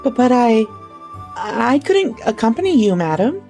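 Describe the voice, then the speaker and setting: A woman's voice: fairly high pitch, very animated, unhurried, mellow, faint music behind, voice pushed up. A woman voicing a shy, polite young housemaid's daughter who speaks with hesitant deference in a story.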